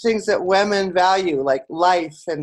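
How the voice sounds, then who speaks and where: This woman has a fairly low pitch, ordinary pitch variation and a moderate pace. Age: 60s. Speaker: workshop participant. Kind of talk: casual chat. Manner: halting.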